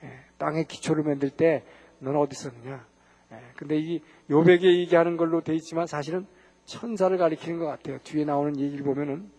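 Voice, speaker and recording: A man's voice: fairly high pitch, steady tone, quick pace, darkish tone, big-room sound. A man giving a Bible lecture to a class, talking conversationally and asking them rhetorical questions. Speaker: Bible teacher.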